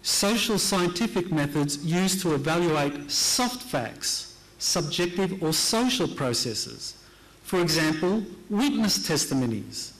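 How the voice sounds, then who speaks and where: Middle-aged man from Hawaii, higher voice, earnest lecturer who repeats key points. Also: animated, slow, low-quality recording. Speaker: conference speaker. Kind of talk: lecture presentation.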